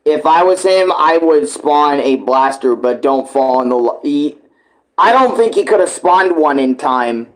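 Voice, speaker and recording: Slow-talking, higher-voiced man reacting live. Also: lively intonation, low-quality recording. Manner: slangy, sweary, exclamatory. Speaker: reaction streamer. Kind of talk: casual live reaction commentary.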